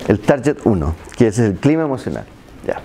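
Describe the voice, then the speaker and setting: A man's voice: lowish voice, sing-song, fairly quick, noisy background. A middle-aged man gives a conversational university lecture to a seated class, checking in often with the students and adding self-mocking asides. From Chile. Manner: conversational, asks "¿ya?" after nearly every point, self-deprecating asides. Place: seminar room with projector and seated students. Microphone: handheld microphone, filmed by far camera.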